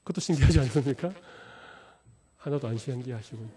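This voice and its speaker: A man's voice: medium pitch, fast talker, dark tone. A middle-aged man preaching a sermon as pastor, conversational and humorous, acting out little quotes of everyday talk.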